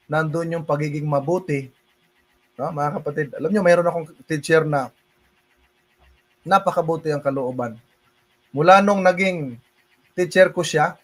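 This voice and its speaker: High-voiced Filipino man preaching. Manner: mixes Tagalog and English, laughs often, calls listeners brothers and sisters. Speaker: pastor. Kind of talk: livestream sermon with Q&A.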